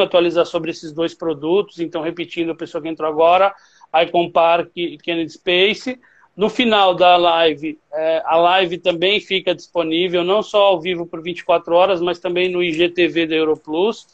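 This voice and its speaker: A man hosting a casual live stream, chatty and warm, laughing often and talking with many fillers. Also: sits high, muffled recording. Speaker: host of a travel-trade live stream.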